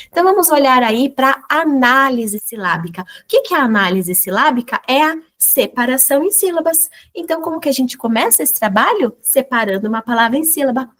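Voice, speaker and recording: A woman's voice: sits high, fairly bright tone. A woman with a Brazilian accent giving a recorded training lesson to teachers, asking rhetorical questions and drawing out example words syllable by syllable. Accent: Brazilian Portuguese. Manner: didactic, addresses teachers directly with rhetorical questions.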